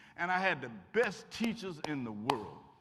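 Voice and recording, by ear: Big pitch swings run through a bright, sharp tone delivered at a moderate pace. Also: man.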